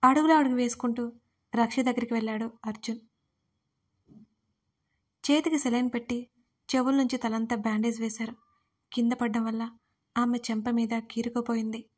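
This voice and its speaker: A woman storyteller reads a scripted love story in a steady, even manner. Her voice is fairly high and keeps to a narrow, level pitch throughout. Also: normal speed, long pauses.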